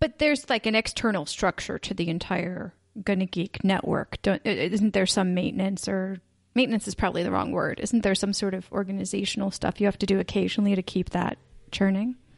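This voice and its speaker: An animated, medium-pitched woman's voice at a fairly quick pace, with ordinary pitch variation and a dry, close sound with no echo. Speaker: podcast host. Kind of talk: casual interview chat. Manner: animated, laughs often.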